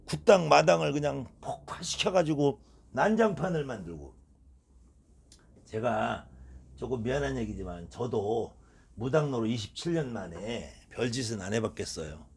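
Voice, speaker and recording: Animated husky middle-aged man lecturing. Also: mid-range voice, moderate pace. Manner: animated, rhetorical questions. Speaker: shaman lecturer.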